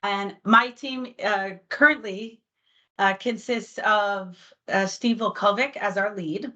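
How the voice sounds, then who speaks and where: A woman's voice: mid-range voice, slow pace, pushed and bright. A woman from New York, a team manager, introducing herself and her team upbeat on a video call. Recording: dull lo-fi video call audio.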